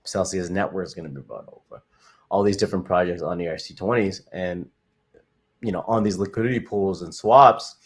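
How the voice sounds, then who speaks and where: A young Canadian man hosts a casual crypto livestream, his low, deep voice carrying a breathy edge. Upbeat and rambling, he reads out viewer comments, circling back on his phrases and padding them with fillers.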